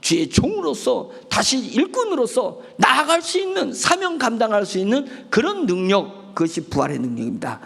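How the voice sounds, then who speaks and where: A man's voice: very high-pitched, huge pitch swings, normal speed, vocal fry, few pauses, fairly bright tone, slightly rough, in a large hall. A man pastor preaching a sermon, asking questions and acting out pleading prayers. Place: church sanctuary.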